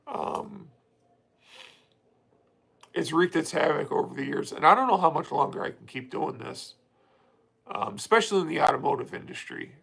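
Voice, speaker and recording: A man's voice: fairly high pitch, animated, normal speed, vocal fry, pauses often, a bit bright, husky. A man in his late thirties hosting a casual livestream, talking candidly and rambling with frequent restarts as he answers viewer comments. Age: 30s. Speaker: livestream host.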